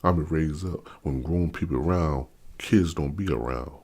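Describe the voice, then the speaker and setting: A man's voice: rumbling low, moderate pace, a little mellow. A man about fifty with a DC-area accent, ranting bluntly to camera and stumbling over restarts in an unscripted vlog. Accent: Maryland / Washington DC area. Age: 50s. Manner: blunt, repetitive, stammers on restarts. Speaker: vlogger. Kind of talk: unscripted opinion rant.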